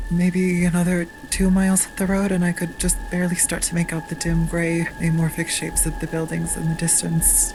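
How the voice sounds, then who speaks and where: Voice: medium pitch, darkish tone, slight background noise, natural voice, low-quality recording. An actor playing a frightened teenage captive, narrating an audio drama in a somber, dramatic way. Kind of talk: scripted first-person audio drama narration. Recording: music bed under the voice.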